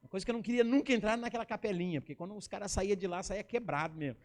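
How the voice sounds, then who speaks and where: A male pastor with a Brazilian Portuguese accent, telling a humorous story in a sermon, animated and slangy. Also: sits high, racing. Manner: animated, slangy, acts out scenes.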